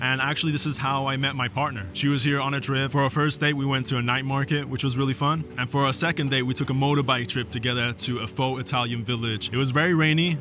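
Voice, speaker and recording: Fast-talking man narrating a travel vlog, ambient noise. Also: mid-range voice. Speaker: travel vlogger.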